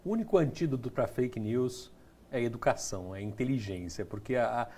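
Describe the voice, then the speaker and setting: A man hosting a newsroom talk show, trading quick joking banter with his co-presenter. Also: medium pitch, lively intonation, warm tone, breathy edge. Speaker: host. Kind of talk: casual news chat.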